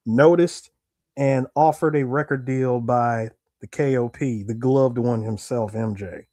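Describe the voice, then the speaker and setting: A man's voice: mid-range voice, mellow, no echo, studio quality. Man telling a playful story on a podcast. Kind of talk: casual chat.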